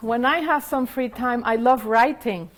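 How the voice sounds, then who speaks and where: A woman speaks with a slight Mexican accent at a fairly slow pace. Her pitch varies in an ordinary way. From Mexico. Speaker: lactation consultant. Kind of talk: lecture.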